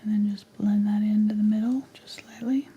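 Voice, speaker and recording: A woman's voice: medium pitch, fairly even intonation, a little fast, dark tone, muffled recording, slight background noise. A woman teaching a live painting tutorial, half-whispering while she paints and losing her voice. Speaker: painting instructor.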